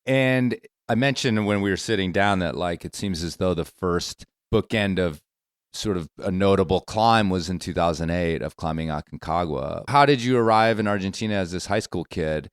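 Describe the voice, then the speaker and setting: A man's voice: low-pitched, normal speed, smooth, no room sound, clean studio sound. A man hosting a podcast interview, rambling and repeating words as he lays out his questions. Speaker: podcast host. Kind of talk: conversational interview. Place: hotel room.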